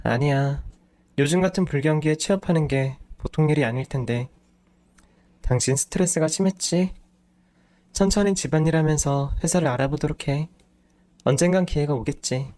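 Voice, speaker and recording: A man's voice: fairly high pitch, normal speed, pauses often, lightly acted. A man voicing an exasperated wife who nags her husband sharply, in a storybook reading. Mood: softened. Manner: scolding, sharp-tongued. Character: exasperated nagging wife, woman in her thirties.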